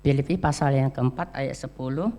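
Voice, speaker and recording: Man preaching with a mellow voice. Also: medium pitch, moderate pace. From Indonesia. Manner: frequent "ya" and "eh" fillers, conversational storytelling. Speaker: religion teacher. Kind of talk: sermon. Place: church.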